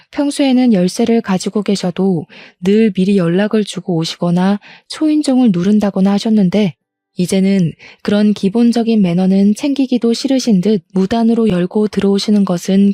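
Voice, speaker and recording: Mellow young woman telling a story. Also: mid-range voice, no room sound. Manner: aggrieved, confiding retelling. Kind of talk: first-person story narration.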